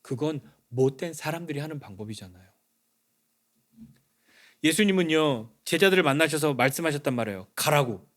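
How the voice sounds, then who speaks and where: A man, a pastor, giving a Sunday sermon in a conversational way, often dropping to soft, low lines for emphasis. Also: lively intonation, brisk, pauses often. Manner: conversational preaching, acts out quoted dialogue.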